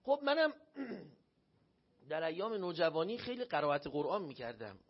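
In a shrine hall, a man preaches a religious sermon, telling a personal story and acting out the voices he quotes. His fairly high voice swings widely in pitch with a breathy edge, and the recording is dull and lo-fi.

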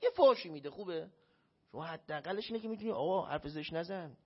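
A man with a fairly high, husky voice and lively intonation delivers a sermon in a shrine hall. He recounts a personal story, performing the voices of those he quotes, on a dull lo-fi recording.

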